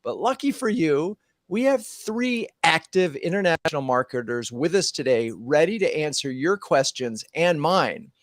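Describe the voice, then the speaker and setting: A man's voice: fairly high pitch, expressive, measured pace, no room sound, studio quality. Upbeat male show host. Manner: upbeat, scripted welcome then chatty questions. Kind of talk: live streamed marketing show. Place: home studio.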